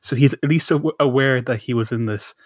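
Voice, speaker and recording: A man with a middle-range voice supplies facts and trivia in relaxed podcast chat. He leans on fillers as he talks. The recording is dry and close to the mic. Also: medium pitch, a little fast, no room sound. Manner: informative, offers trivia with fillers. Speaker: podcast co-host. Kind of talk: casual chat.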